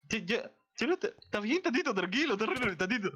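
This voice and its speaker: A person improvising a game roleplay with friends in an excitable, theatrical way over online voice chat. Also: medium pitch, a little fast. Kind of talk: improvised Minecraft roleplay chatter. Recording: dull, slightly noisy gaming mic.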